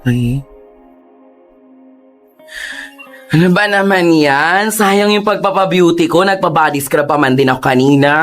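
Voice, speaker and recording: A man's voice: on the high side, close to an everyday voice. A man voicing a flamboyant, dramatic young gay man who talks in campy slang. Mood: disappointed. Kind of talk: radio drama acting.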